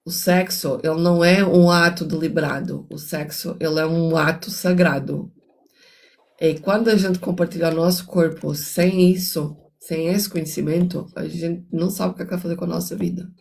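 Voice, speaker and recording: Her voice is fairly low and darkish, with vocal fry, fairly even intonation, and a moderate pace. An older woman, she hosts a reflective book talk, reading and analyzing as she muses, restarts often, and offers moralizing asides.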